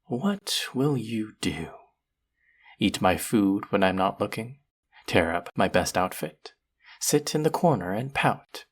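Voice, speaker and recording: Taunting a captive pet with mock-sweet baby talk, a performer voices a gloating, sadistic sorcerer for a roleplay audio drama. The breathy, gravelly voice sits low, with lively intonation and a slow pace, and the acting is heavy.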